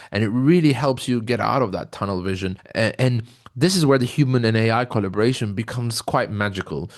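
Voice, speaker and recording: A man speaking as an interview guest, explaining his ideas and stories earnestly and often checking in with a short tag question. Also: fairly low pitch. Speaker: interview guest, tech company founder. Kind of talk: conversational interview, explaining and storytelling.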